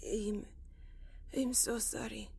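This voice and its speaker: A woman's voice: a little high, fairly even intonation, slow pace, creaky, dark tone, a little hiss or hum. A woman voicing an anxious, naive young man in a science fiction audio drama, hesitant, stammering and earnest. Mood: shaken, apologetic.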